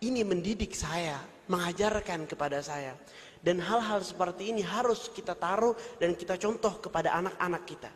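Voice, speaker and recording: Male preacher, high-pitched, storytelling sermon with a long reverb tail. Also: moderate pace. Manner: recounts childhood anecdotes, then exhorts.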